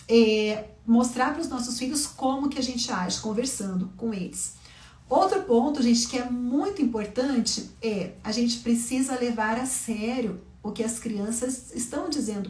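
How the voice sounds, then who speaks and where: A woman's voice: fairly high pitch, measured pace, darkish tone. A woman giving an online class to parents, talking conversationally and checking in with "tá?" and "né?". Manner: conversational, frequent "tá?" and "né?" check-ins. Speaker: parenting educator. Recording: echoey room, voice a bit far from mic.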